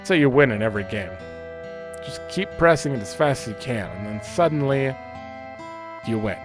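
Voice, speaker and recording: A man's voice: medium pitch, animated, normal speed. A man in his thirties giving casual, offhand commentary as he plays a video game, rambling as he goes. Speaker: let's play host. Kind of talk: casual game commentary, reading dialogue aloud. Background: video game music.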